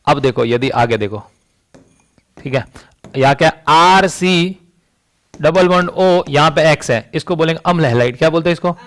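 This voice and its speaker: Man, chemistry teacher, classroom lecture, higher voice, rhetorical questions. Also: normal speed, long pauses, a bit bright. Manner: rhetorical questions, frequent "समझ रही बात?".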